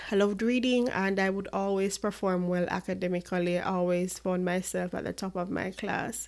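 A woman's medium pitch with a Jamaican accent, fairly even intonation, a fairly quick pace and hardly any pauses. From Jamaica, inner-city Kingston. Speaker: podcast host. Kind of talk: personal storytelling monologue.

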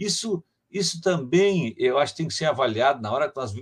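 Using vocal fry, a man speaks at a moderate pace with a fairly high pitch and very wide pitch swings. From Rio Grande do Sul, Pelotas. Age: 50s. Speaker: political activist and live stream host. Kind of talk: political discussion.

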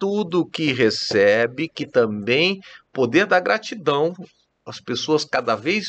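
His pitch runs fairly high for a man and swings very widely. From Rio de Janeiro, Brazil. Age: 50s. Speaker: judicial expert and course founder. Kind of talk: interview conversation.

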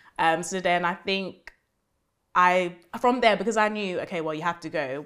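A woman with a plain, everyday voice, fairly low in pitch, with ordinary pitch variation and a moderate pace, in a very clean recording with a silent background. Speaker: graduate student. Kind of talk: casual chat.

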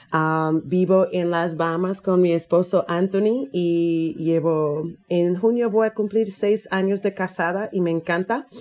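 Speaking at medium pitch, a woman with an American accent takes a fairly slow pace. She uses ordinary pitch variation and hardly any pauses. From US South, rural southern Florida. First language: English (speaking Spanish). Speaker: worship singer and minister. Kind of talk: casual interview about faith.

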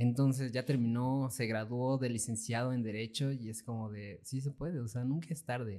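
Against a quiet background, a man talks at a moderate pace in a medium pitch, with an unremarkable speaking voice. His loudness swings widely. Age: 20s. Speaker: podcast host. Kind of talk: casual chat.

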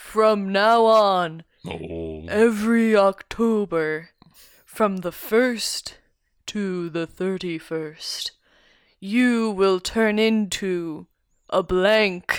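Speaking very slowly in a put-on character voice, a woman keeps a medium pitch and fairly even intonation, pausing long and often. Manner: mysterious, ominous.

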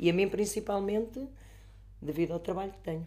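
This woman's voice has a dark, mellow tone with vocal fry and ordinary pitch variation. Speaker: occupational therapist. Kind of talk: casual chat. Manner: firm, direct; halting.

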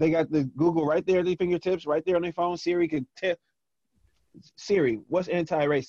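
This man's voice is high in pitch yet dark and mellow in tone, with fairly even intonation. He talks at a fairly quick pace, and the sound is dry and close with no echo. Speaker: podcast co-host. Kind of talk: casual chat.

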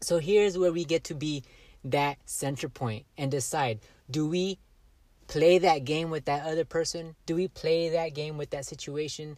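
A man with a fairly high pitch talks in a plain, everyday voice at a moderate pace. His intonation is fairly even, and the recording is very clean with a silent background. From Mexican-American family, USA. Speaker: self-help podcaster. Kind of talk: motivational monologue. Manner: earnest, reflective.

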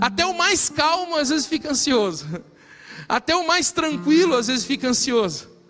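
Over noticeable background noise, a man with an extremely high voice speaks in an animated tone with lively intonation. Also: moderate pace. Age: 30s. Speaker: pastor. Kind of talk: sermon.

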